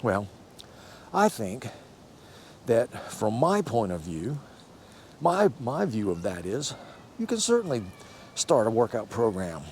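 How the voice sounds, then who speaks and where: Speaking slowly with long pauses, this American fitness vlogger in his sixties has a medium-pitched, slightly mellow voice that swoops wildly in pitch. He addresses the camera casually, rambling, encouraging, and often correcting himself, over a faint hiss or hum.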